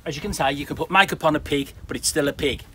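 A man's voice: a little high, fast talker, fairly bright tone, slight background noise. A man from the UK chatting bluntly and rambling to a handheld camera outdoors in his garden. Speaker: smallholder vlogger. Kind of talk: casual chat to camera.

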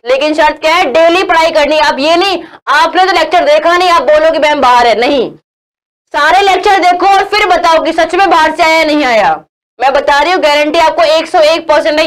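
A young woman with a high voice teaches an online exam-prep class over her slides. She talks emphatically, repeats her key points and keeps asking her listeners questions. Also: fairly bright tone, poor audio.

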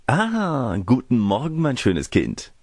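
Man doing a flirtatious cavalier with swooping pitch. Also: sing-song, moderate pace, dry recording, clean studio sound, heavily acted. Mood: charming. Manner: smooth-talking, coaxing, gallant.

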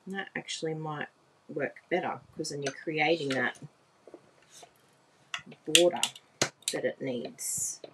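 A woman's voice: sits low, takes it slowly, long pauses, background noise. A woman, chatting through a live craft demonstration, exclaiming and laughing often and asking viewers if they agree. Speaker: papercraft demonstrator. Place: indoor craft room at a desk.

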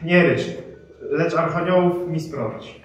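A young man playing a stern Saint Nicholas, commanding rhyme, high voice, echoey hall. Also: measured pace, highs cut off, close to an everyday voice. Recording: echoey hall from far off, music.

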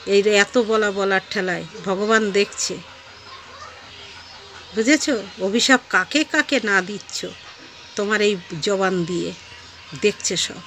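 A woman's voice: medium pitch, slow, pauses often, a little hiss or hum. Scolding woman. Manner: sharp, preachy rebuke that mixes in devotional chants. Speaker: online vlogger. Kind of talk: scolding video monologue.

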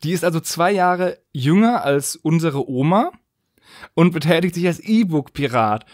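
A man co-hosting a podcast in casual review chat, opinionated and quick to argue a point. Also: a little high, lively intonation, no room sound, clean studio sound. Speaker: podcast host. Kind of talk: casual review chat about audio dramas.

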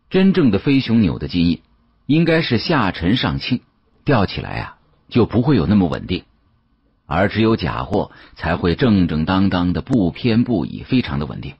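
A man voicing a savvy, guarded young male antique dealer in an audiobook, with a husky voice. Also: low-pitched, no room sound, highs cut off, full character voice.

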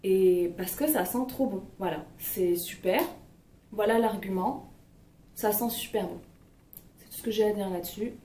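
With a warm, mid-range voice at normal speed, the beauty vlogger casually runs through her favorite products. She often hesitates and uses fillers, and the home recording has a roomy feel, a distant mic, and faint noise.

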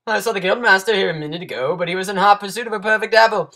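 A man voicing an excitable, jumpy crayfish creature, a guild apprentice, with a hurried, stammering, exclamatory delivery. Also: high-pitched. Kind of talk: character voice audition.

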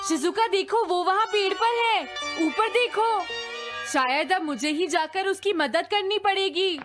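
A woman's voice: very high-pitched, unhurried. A woman voicing a hapless, dreamy young schoolboy with a childlike manner in a cartoon dub. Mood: eager, helpful. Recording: loud music behind the voice.

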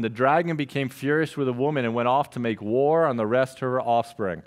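A man in his forties preaches from a church stage into a headset mic, moving around and gesturing widely. His voice sits at an ordinary middle pitch, and he tells stories with animated energy, voicing his own reactions as he goes. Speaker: pastor. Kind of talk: sermon. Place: church stage with purple backlit wall.

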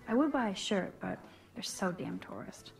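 A woman's voice: medium pitch, very animated, normal speed, vocal fry, faint music behind. A young woman voicing an observant teenage student in a video game, with dry, wry musings.

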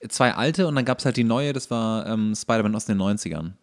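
A man's voice: on the low side, fairly quick. A man co-hosting a casual podcast chat, explaining trivia at length and in detail. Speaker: podcast co-host.

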